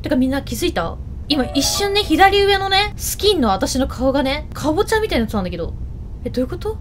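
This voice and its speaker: A woman giving lively gameplay commentary, chatting to the game characters and to her viewers. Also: sits high, fast, a little hiss or hum. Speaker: game video host.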